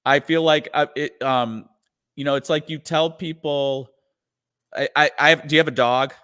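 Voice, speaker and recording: A man's voice: on the high side, steady tone, normal speed, a bit bright, clean tone. A man chatting as a guest in an interview, rambling with restarts and lots of "you know". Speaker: guest musician and comedian. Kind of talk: casual interview chat.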